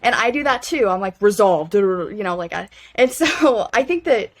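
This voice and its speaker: A woman's voice: medium pitch, expressive, normal speed. Young female panelist, chatty and upbeat. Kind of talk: casual panel discussion.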